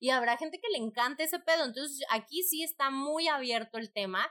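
Her tone is bright, sharp and animated, with lively intonation. The woman talks at a fairly quick pace with a high pitch. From Mexico, Culiacán (Sinaloa). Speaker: podcast host. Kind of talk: casual monologue.

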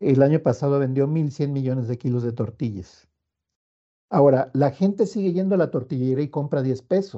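A plain, everyday voice from a man, fairly high in pitch, with lively intonation. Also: moderate pace. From Mexico, San Luis Potosí. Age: 60s. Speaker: economics professor. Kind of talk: interview.

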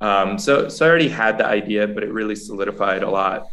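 There is audible room echo around a man with a fairly low pitch and an American accent. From US, New York. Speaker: bitcoin educator, former UN press officer. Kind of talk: casual interview. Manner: halting with frequent repetitions.

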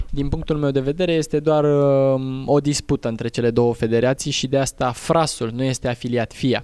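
With a dark, mellow tone, a man of medium pitch speaks at a moderate pace with fairly even intonation and hardly any pauses. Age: 20s. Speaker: racing driver. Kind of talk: casual interview. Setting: outdoors on a terrace.

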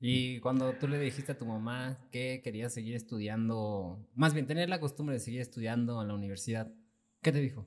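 A man with a plain, everyday voice talks at a moderate pace, his pitch medium with ordinary variation. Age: 20s. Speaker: podcast host. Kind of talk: casual chat.

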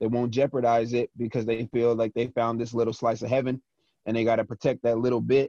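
Dark and mellow in tone, the voice has a dry, close sound with no echo over a quiet background. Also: man. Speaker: podcast co-host. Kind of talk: casual chat.

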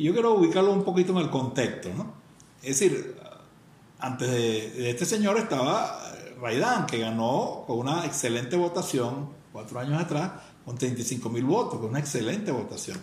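The voice makes very wide pitch swings over noticeable background noise. Audible room echo surrounds it. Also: man, fairly high pitch for a man, moderate pace. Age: 60s. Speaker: psychiatrist and former mayor. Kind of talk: political talk show interview.

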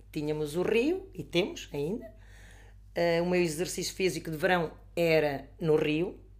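Audible room echo surrounds a woman's voice. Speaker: occupational therapist. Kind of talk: casual chat. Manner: firm, direct; halting.

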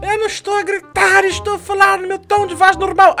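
A put-on character voice, female-sounding and extremely high in pitch. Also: moderate pace. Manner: loud while denying shouting.

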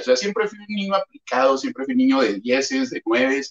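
A man speaks in an energetic tone. His pitch swings very widely. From Chihuahua, northern Mexico. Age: 30s. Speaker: booktuber. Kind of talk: live-stream interview. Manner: skilled, trained voice use.

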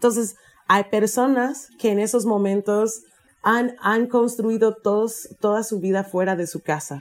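In an American accent, a woman speaks at a fairly slow pace with a fairly high pitch and ordinary pitch variation. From US South, rural southern Florida. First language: English (speaking Spanish). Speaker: worship singer and minister. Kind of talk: casual interview about faith.

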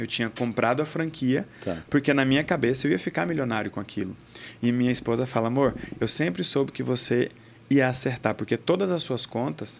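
A man in a normal speaking voice talks at a fairly quick pace, medium in pitch, with lively intonation. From Brazil, raised in Cuiabá, Mato Grosso. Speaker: therapist and speaker, entrepreneur. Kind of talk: podcast interview. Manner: casual, slangy.

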